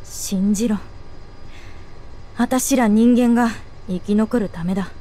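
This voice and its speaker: An actress voicing a blunt, tomboyish teenage girl soldier in a game, speaking in a terse, gruff way. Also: a little slow, warm tone, a little hiss or hum, natural voice. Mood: earnest. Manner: gruff, terse, low-key. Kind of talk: game voice acting. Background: game music.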